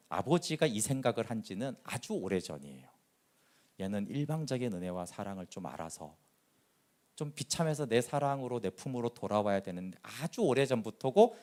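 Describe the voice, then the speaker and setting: A male pastor delivering a sermon, his pitch rising and falling widely as he acts out the characters in his story. He keeps turning to the congregation with questions to draw them in. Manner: animated storytelling, acting out quoted voices.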